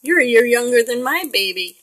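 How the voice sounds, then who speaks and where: A woman in her late forties chats and rambles as she works on a digital painting, laughing often. Her voice sits a little high and bright. The sound is dry and close. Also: expressive, a little fast, dry recording. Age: 40s. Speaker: digital artist. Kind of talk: casual chat while painting on screen.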